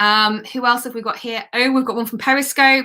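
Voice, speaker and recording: Her voice is high, bright and sharp, raised and projected. The woman speaks at a fairly quick pace. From Britain. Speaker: online business coach. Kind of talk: live stream training. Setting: live video stream. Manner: animated.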